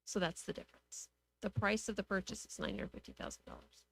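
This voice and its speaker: A woman speaking as a city official, giving measured, matter-of-fact explanations at a public meeting. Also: mid-range voice, steady tone. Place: council meeting room. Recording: clear background noise and hum.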